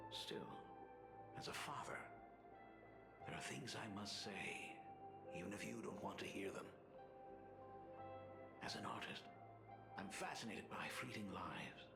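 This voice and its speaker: An actor playing a solemn, tender middle-aged father, an artist and academy dean in a video game, with a gravelly, breathy, measured and softly spoken voice. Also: fairly low pitch. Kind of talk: dramatic game voice acting. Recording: slightly reverberant, music underneath. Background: background music.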